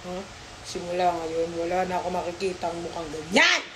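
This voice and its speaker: A woman's voice: lowish voice, level tone, brisk, background noise. A woman hosting a casual live stream, talking baby-talk to her dogs and scolding them playfully.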